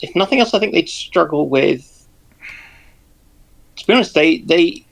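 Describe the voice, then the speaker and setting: Male co-host, gravelly fry in the voice, hesitant measured talk. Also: on the high side, lively intonation, low-quality recording. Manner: hesitant, measured, lots of ums. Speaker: co-host on live stream. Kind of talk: casual chat.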